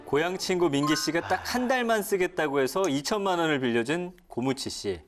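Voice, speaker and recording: A narrator reading a scripted story recap in a measured, plain way. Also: medium pitch, animated. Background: music.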